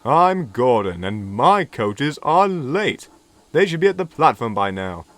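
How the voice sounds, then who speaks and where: A man voicing a proud, impatient big male express engine who talks pompously and slowly. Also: medium pitch, very animated, fairly bright tone, no room sound, pitched above the performer's own voice. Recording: music playing behind.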